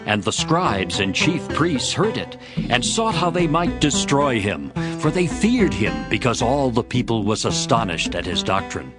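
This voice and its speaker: A man reading scripted scripture narration in a measured storytelling manner for a dramatized Bible recording. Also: mid-range voice, sing-song, over music.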